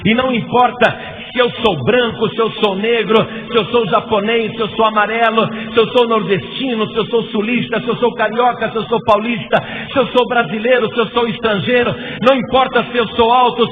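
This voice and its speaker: A man with a Brazilian Portuguese accent preaching a sermon as pastor, building to loud, emphatic repeated lists. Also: very high-pitched, steady tone, a little fast, few pauses. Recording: tinny phone-like sound with long reverb and faint noise.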